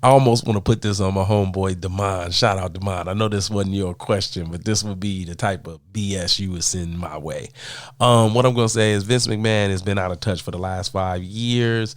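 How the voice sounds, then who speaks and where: A man with a fairly low voice and a stuffed-up nose from a cold talks straight to his audience in a casual, emphatic rant. He leans on his points and repeats them for effect. The recording is dry and close, with no room sound. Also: moderate pace, no echo. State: congested from a cold. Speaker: commentary vlogger answering viewer questions.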